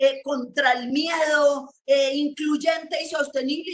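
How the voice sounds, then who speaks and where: A woman is speaking. Her tone is animated. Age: 60s. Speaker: panelist, feminist policy expert. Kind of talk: webinar panel talk. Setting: online webinar.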